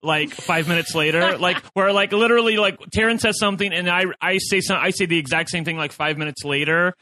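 A man co-hosting a podcast, telling excitable stories in casual chat with lots of fillers and laughs. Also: high-pitched, brisk, no room sound. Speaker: podcast co-host.

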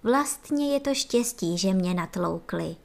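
A woman voicing an eager, helpful young male ant in a storybook reading, speaking in a lively way. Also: medium pitch, gravelly. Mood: cheerful.

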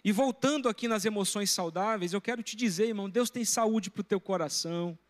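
A middle-aged man preaching a sermon as pastor, telling a personal story with lively, animated delivery. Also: sits high, fairly quick. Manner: storytelling, breaks into loud shouting when retelling a confrontation.

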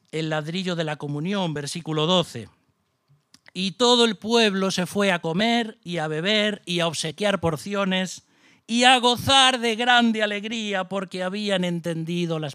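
A man's voice: sits high, normal speed, bright, forceful tone, no room sound, studio quality. A middle-aged man from Spain preaching a sermon with a Spanish accent, passionate, firing off rhetorical questions and mocking asides. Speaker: pastor.

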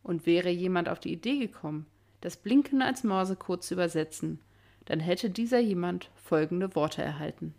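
A woman reading a story aloud in a calm storytelling manner, with small slips and restarts. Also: fairly low pitch, moderate pace, vocal fry. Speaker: reader. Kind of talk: reading fan fiction aloud.

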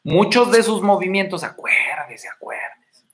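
A man with a Mexican Spanish accent talks casually to his viewers, full of slang and calling them buddy. His voice sits a little high, and the room around him is echoey. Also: expressive, a little slow, a bit bright. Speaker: dating advice host. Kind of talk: casual livestream talk.

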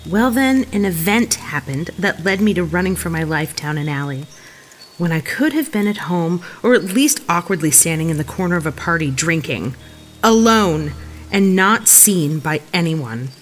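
A woman's voice: fairly low pitch, lively intonation, moderate pace, slight background noise, natural voice. An actress playing a shaken young woman in an audio drama, wary and wryly sarcastic. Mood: exasperated.

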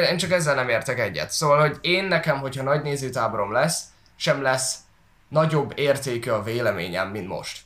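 A man from Hungary chats casually, often halting to search for the right words. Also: mid-range voice, a bit bright. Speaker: online video creator and talk co-host. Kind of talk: casual conversational commentary. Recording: echoey room sound.

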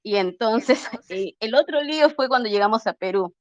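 A woman's voice: on the high side, expressive, moderate pace. A middle-aged woman, an interview guest telling her story casually and earnestly, acting out the dialogue as she retells it. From Peru. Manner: earnest, acts out dialogue while retelling, frequent restarts. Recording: slightly muffled lo-fi audio.

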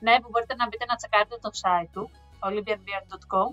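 A woman co-hosting a casual podcast, chatting and telling animated stories, laughing often. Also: mid-range voice. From Greece. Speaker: podcast co-host. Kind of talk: casual chat. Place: living in the United States. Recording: slightly dull lo-fi sound with faint music.

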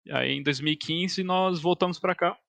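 Young man, Brazilian accent, gravelly and bright. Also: sits high, moderate pace, no echo. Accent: Brazilian Portuguese. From born in Portugal, raised in Canada and Brazil. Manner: relaxed, frequent "yeah" fillers and soft laughs. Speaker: game developer guest. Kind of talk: casual interview chat.

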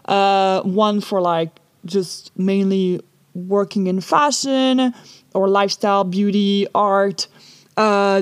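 A woman's voice: mid-range voice, clean tone, no room sound. A woman from Paris, hosting a podcast in a casual, rambling way with easy swearing, recorded inside a small clothes closet. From Paris, France. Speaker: podcast host. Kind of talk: casual solo podcast chat. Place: small closet packed with dresses and magazines.

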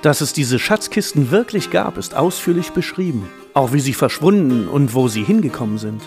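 A man's voice: mid-range voice, lively intonation, moderate pace, darkish tone, faint music behind. A man reading scripted documentary narration about history.

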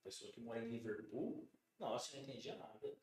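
Lively Brazilian chef telling stories. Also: male voice, mid-range voice, fast. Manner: animated storyteller, acts out quoted dialogue. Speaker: podcast guest, chef. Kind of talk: casual chat. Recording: roomy studio sound.

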